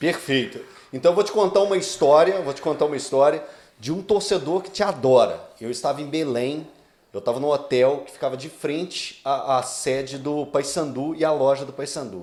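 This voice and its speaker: In a Minas Gerais caipira accent, a man speaks at a fairly high pitch with ordinary pitch variation and big swings in loudness. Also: moderate pace. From Divinópolis, Minas Gerais, Brazil. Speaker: podcast host. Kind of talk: podcast interview.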